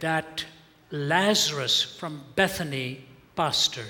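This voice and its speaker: Noticeable background noise behind a man's very slow delivery. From India. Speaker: preacher. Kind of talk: sermon with interpreter. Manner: pauses for translation.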